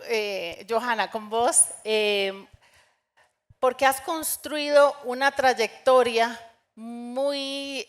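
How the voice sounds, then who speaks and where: A woman's voice: a little high, fairly bright tone. A woman moderating a live panel discussion, hesitant, with many fillers and restarts. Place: conference stage.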